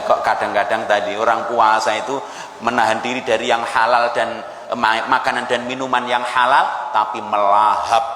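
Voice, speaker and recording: A man preaching in a mosque, lively and quizzing the congregation with rhetorical questions. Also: on the low side, a little hiss or hum. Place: mosque hall. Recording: echoey reverberant mosque hall.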